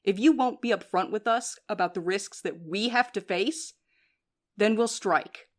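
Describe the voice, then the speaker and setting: A woman's voice: medium pitch, measured pace, close to an everyday voice. A woman playing a blunt, defiant courier in an audio drama. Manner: blunt, confrontational.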